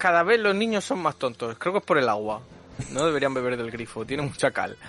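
This man's bright, sharp voice makes very wide pitch swings as he talks at a moderate pace. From Murcia, Spain. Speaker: podcast host, gaming. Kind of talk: casual chat, podcast banter. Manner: informal, joking, profane.

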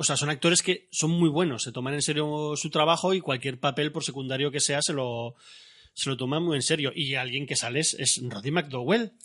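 A man with a plain, everyday voice and fairly high pitch speaks at a moderate pace with ordinary pitch variation. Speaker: podcast host. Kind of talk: casual chat.

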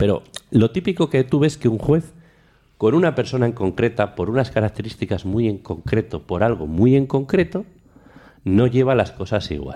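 A man's medium pitch in a dark, mellow tone, with very wide pitch swings at a moderate pace. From Asturias, Spain. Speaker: lawyer and podcast host. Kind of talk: casual chat.

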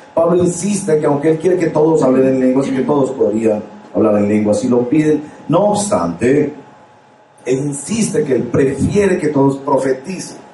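A man talks at a moderate pace in a fairly high voice with lively intonation. There is audible room echo and noticeable background noise. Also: very even loudness. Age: 50s. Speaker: pastor. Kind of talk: sermon.

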